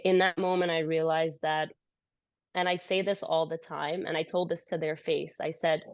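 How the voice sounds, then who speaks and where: A woman's voice: low-pitched, no echo. A woman born and raised in the United States, speaking at a campus event and earnestly retelling a painful confrontation, with passionate emphasis and frequent restarts. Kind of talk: impassioned personal testimony. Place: campus lecture room.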